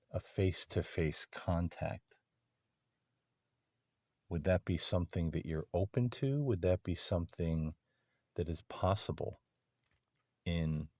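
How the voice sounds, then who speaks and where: Very deep-voiced, slow, earnest man. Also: darkish tone, no room sound. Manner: earnest, deliberate, formal phrasing. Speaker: host of paranormal contact sessions. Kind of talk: solemn spoken address to unseen beings.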